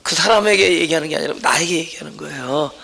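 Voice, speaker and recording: High, gravelly-voiced male pastor. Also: fast talker, pushed and bright. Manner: conversational, keeps checking in with the congregation. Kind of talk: Sunday sermon. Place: church worship service.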